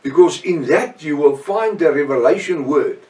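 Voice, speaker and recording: A middle-aged man, a native Afrikaans speaker with a South African accent, preaches a Bible lesson off the cuff in short, halting, emphatic phrases with repetition. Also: a little high, animated, a little mellow. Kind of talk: extemporaneous Bible teaching sermon. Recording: echoey room, distant microphone.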